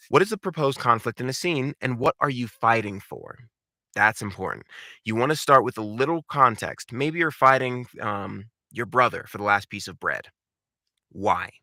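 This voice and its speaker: A man's voice: lowish voice, bright, forceful tone, no room sound, clean studio sound. A man giving an instructional talk as a voice acting coach, direct and emphatic, repeating phrases to drive points home. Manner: emphatic, acts out short example lines.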